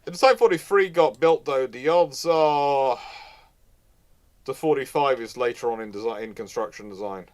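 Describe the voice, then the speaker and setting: A man's voice: medium pitch, normal speed, dry recording. Man chatting, close dry sound. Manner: rambling, tangent-prone. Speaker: host of a naval history live stream. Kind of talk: casual chat answering viewers' questions.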